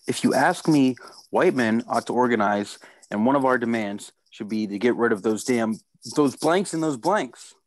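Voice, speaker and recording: A man's voice: mid-range voice, animated, normal speed, no room sound, lightly acted, rough recording. Man playing a stubborn miner, dry close sound. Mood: bitter, adamant. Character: stubborn, bigoted miner in his forties. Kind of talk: table-read acting.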